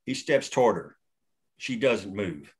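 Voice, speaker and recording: A man reading screenplay stage directions at a table read in a steady, matter-of-fact way. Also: on the low side, a little slow, breathy edge. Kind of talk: reading screenplay action lines.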